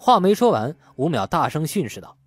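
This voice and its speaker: A man's voice: fairly high pitch, big pitch swings, a little fast, breathy edge, faint music behind. A man narrating an audiobook in a scripted storytelling style. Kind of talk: scripted audiobook narration of an urban crime novel.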